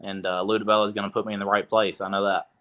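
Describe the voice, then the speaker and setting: A young man from Tennessee, a boxer, answering interview questions in a relaxed way with lots of fillers. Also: on the low side, racing, lo-fi sound. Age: young adult. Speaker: boxer, guest.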